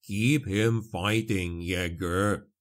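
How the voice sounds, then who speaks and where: Casting: male reader as grave, cryptic dwarf priest, low measured voice, slow portentous lines, fantasy audiobook. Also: lively intonation, a little mellow. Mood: grave, urgent.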